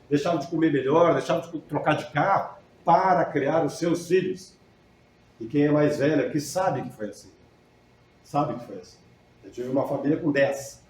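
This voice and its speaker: A middle-aged man gives an earnest, conversational spiritual talk. His voice sits a little high but sounds soft and mellow, and he often closes a phrase with a questioning tag. The recording is echoey, with a faint hiss behind him. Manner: earnest, tags sentences with a questioning "né?". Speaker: lecturer at a spiritist society.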